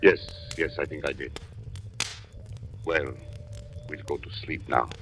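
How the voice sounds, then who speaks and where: An actor playing a secretive husband and doctor who speaks in a hushed, evasive voice, in 1940s radio acting. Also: male voice, very deep voice, steady tone, slow, faint music behind, heavily acted. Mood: cold. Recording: hissy vintage radio recording.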